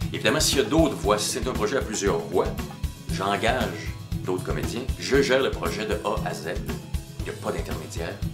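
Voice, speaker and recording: With a Quebec accent, a man talks at a fairly quick pace with long, frequent pauses, and clear music plays in the background. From Quebec, Canada. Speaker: voice actor. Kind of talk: casual talk to camera. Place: studio.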